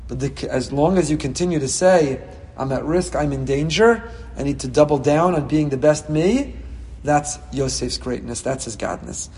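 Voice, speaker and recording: Impassioned rabbi in an echoey hall. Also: male voice, fairly high pitch, normal speed. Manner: impassioned, swings between soft and loud, reads Hebrew texts then explains in English. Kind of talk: Torah class on the weekly portion.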